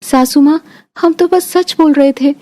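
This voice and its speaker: Cartoon role: woman voicing a naive young bride, high voice, earnest and plain. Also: a little slow, mellow. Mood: meek. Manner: naive, earnest, speaks of herself as "we". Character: simple village daughter-in-law, young woman. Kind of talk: cartoon voice acting.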